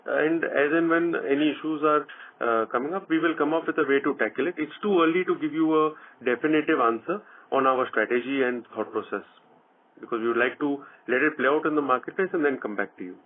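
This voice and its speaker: A man speaking as a company executive on an earnings call, answering questions in a measured, guarded, formal way over a conference line. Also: mid-range voice. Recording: narrow-band phone conference line.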